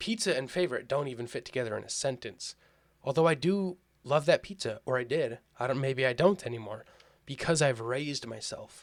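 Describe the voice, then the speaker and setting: With a normal speaking voice, a man talks at a fairly quick pace, fairly high in pitch, with lively intonation on a very clean recording with a silent background. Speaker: life coach. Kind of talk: monologue to camera.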